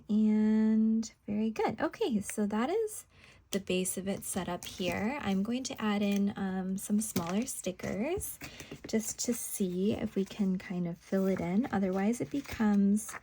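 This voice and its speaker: Narrating as she works, a craft video host chats casually in a plan-with-me style, her speech drifting into murmurs when she concentrates. She has a warm, mid-range voice and a slow pace, with slight background noise.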